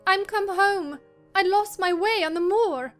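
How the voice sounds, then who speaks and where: A ghost girl at the window, sobbing her pleas in a very high, thin voice. She draws every word out slowly and mournfully, with faint music underneath the radio-play reading. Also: a bit bright. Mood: pleading wail. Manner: slow mournful pleading.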